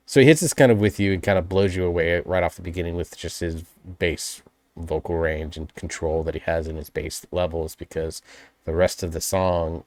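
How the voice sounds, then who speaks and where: A man with a low voice talks through a song in a casual reaction video. He is earnest and appreciative and picks out small details. He speaks close to the microphone in a dry, dead room. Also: a little mellow, no room sound. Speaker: music reaction video host. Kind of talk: casual spoken music analysis.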